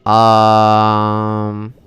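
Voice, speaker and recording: A man's voice: fairly low pitch, monotone, drawn-out words, a bit bright, clear, resonant tone, no room sound. A man livestreaming a video game in casual, slangy, chummy chat with his viewers. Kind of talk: casual gameplay stream chat. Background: game music.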